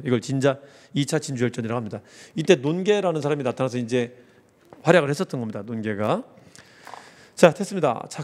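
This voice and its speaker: Lively, fast-talking male history lecturer. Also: a little high, in a large hall. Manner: lively, repeats key words and mnemonics. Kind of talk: exam review lecture.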